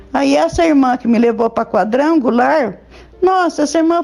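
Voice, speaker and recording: A woman speaks at a moderate pace. Her voice is high-pitched, with lively intonation. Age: 60s. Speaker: former church worker giving testimony. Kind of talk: testimony. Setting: recorded voice message.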